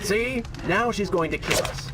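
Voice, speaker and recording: An actor playing a sly, sardonic dark inner voice that mocks and taunts in a video game cutscene. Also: male voice, high voice, a little slow, heavy background noise. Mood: mocking. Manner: mocking, cold and taunting. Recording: distant voice under loud score.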